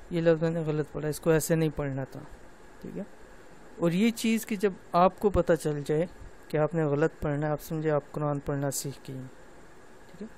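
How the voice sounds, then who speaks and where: Teaching women Quran recitation, a patient middle-aged man explains tajweed and stretches out the letter sounds in slow demonstrations, repeating "theek hai" again and again. He speaks a little high and a little mellow, with a faint hiss or hum in the recording.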